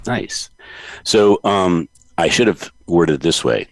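Very deep voiced guy hosting a chat show, laid back, dry close sound. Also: lively intonation, slow pace, dry recording. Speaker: host. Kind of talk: casual interview chat.

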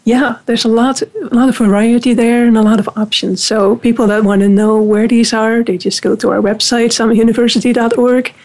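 A Dutch-native woman, director of a spiritual university, explaining her programs in a conversational interview at a measured pace with many fillers. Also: a little high, steady tone, darkish tone.

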